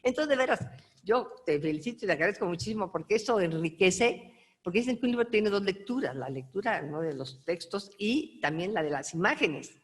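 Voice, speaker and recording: A woman's voice: medium pitch, expressive, fairly quick. A Mexican woman, the author, giving conversational remarks at a book presentation and checking in with the audience. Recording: long hall reverb.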